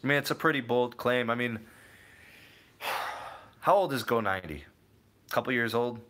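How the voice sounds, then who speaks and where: A young Cleveland-area man in the USA reads out viewer comments on his casual tech livestream and responds to each person by name. His mid-range voice is expressive and fairly bright at a moderate pace, and he tends to ramble and double back on his own thoughts.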